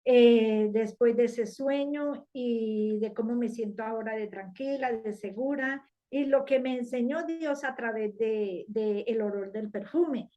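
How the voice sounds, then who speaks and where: A woman's voice: fairly high pitch, warm tone. Woman sharing her church testimony, earnest, lots of ums and restarts, kinda muffled lo-fi sound. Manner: earnest, halting with many fillers and restarts. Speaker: church member giving testimony. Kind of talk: personal religious testimony. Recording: dull lo-fi sound.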